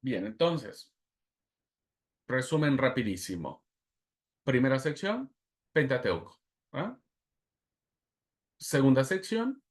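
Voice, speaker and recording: Man, Bible teacher, patient lecturing, repeats himself, mid-pitched. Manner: explanatory, repeats key terms and asks "¿verdad?". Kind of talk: lecturing a class.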